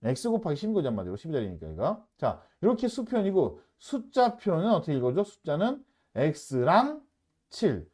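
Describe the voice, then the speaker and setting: A man's voice: fairly high pitch, huge pitch swings, moderate pace, darkish tone. A man teaching a math lesson, often checking in with his students and moving between polite and casual speech. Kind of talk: lecturing at a whiteboard.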